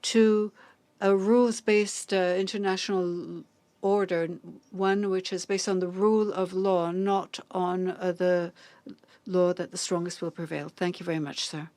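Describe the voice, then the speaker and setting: A woman simultaneously interpreting formal diplomatic speeches, measured and deliberate, pausing on hesitant fillers. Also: lowish voice, fairly even intonation, a little mellow, dry recording. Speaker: conference interpreter.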